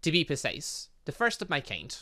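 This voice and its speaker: A man's voice: fairly high pitch, huge pitch swings, moderate pace, sharp tone, full character voice. A man reading as an earnest robot girl. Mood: matter-of-fact.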